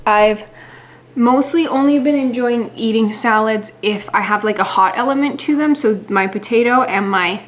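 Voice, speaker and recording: A woman chatting casually to the camera as a vlogger, indoors at home. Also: mid-range voice. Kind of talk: casual vlog chat. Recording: light ambient background noise.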